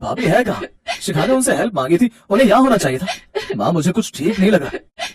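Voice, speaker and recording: A man playing an earnest young husband, husky. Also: mid-range voice, fast talker. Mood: indignant. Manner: earnest, expressive.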